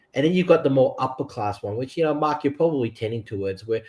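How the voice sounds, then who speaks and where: A man's fairly high, somewhat breathy voice with lively intonation, on a very clean recording with a silent background. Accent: slight Australian. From Australia. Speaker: atheist debater. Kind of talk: casual chat.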